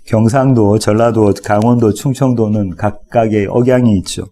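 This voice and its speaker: Mellow-voiced Korean pastor preaching casually. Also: male voice, on the low side, normal speed. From South Korea. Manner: relaxed, conversational preaching with light humor. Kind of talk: expository sermon.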